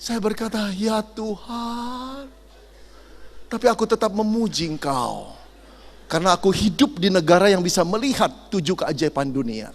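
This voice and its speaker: Middle-aged pastor guy, high voice jumping all over, joking and acting out stories, long hall echo. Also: brisk. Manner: animated, jokey, acts out dialogue and sound effects. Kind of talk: lively sermon with acted-out stories. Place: large hall at a youth camp.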